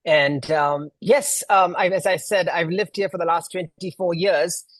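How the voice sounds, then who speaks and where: A man's voice: high-pitched, fairly even intonation, unhurried, fairly bright tone, no room sound. A middle-aged man from Malaysia, a guest event planner, talking casually with many ums and restarts. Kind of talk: casual interview talk.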